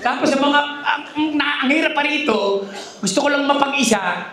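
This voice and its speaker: Stand-up comedian, man from the Philippines, high and animated, acts out quotes, live in an echoey hall with a loud crowd. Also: normal speed.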